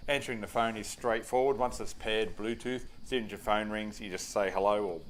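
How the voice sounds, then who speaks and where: A man's voice: on the low side, fairly even intonation, fairly quick, a little hiss or hum. An Australian man giving a casual product review as a motorcycle gear reviewer, plain-spoken and matter-of-fact.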